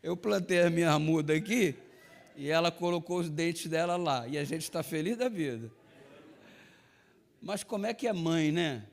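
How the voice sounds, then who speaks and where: A man preaching a sermon with a high voice. He tells a personal story in a lively way. He drops to a hush, then comes back loud. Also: normal speed, vocal fry. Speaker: pastor.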